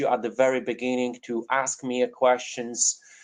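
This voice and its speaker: The speaker has a Polish accent. The pace is moderate. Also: man. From Poland. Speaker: education and training director, webinar presenter. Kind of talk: live webinar presentation. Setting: online webinar. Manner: halting, many fillers.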